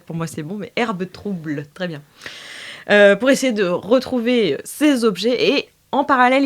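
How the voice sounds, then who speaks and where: A woman narrates an improvised tabletop story as game master. She is casual and jokey, hesitating and stretching words while she builds each scene. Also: mid-range voice.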